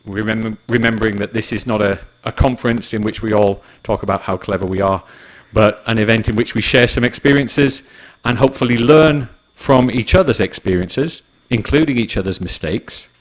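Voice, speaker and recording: A man opens an afternoon conference session with a relaxed, joking manner. His voice sits a bit low, and his pacing is steady and measured. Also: poor audio. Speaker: session moderator. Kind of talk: conference chairing speech.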